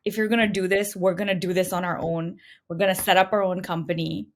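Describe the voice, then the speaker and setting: Talking fast in a fairly low, level voice, this middle-aged Indian woman answers interview questions conversationally. As an entrepreneur on a podcast, she recounts her own experience.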